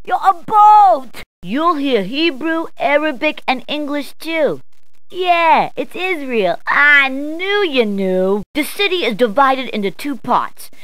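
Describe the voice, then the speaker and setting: A brash video game policewoman. Her voice is very high and swoops widely as she gives directions. The delivery is playful, punning and emphatic, in a dry, close recording. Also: sing-song, takes it slowly, fairly bright tone, no echo, exaggerated voice. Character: brash, jokey New York policewoman giving directions. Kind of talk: scripted video game character clips.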